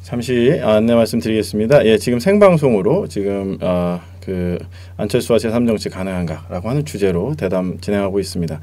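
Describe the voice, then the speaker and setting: A man's voice: on the low side, animated, a little fast, few pauses, dark tone. A polite man moderating a live talk show and reading out viewer questions. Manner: polite, frequent short acknowledgements.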